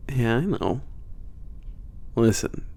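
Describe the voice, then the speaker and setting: Casting: male actor as a sardonic werewolf spaceport trainer for ASMR roleplay, very creaky voice, unhurried, casual bantering delivery. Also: medium pitch, mellow, full character voice. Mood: playful banter. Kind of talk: ASMR roleplay, naturalistic one-sided conversation.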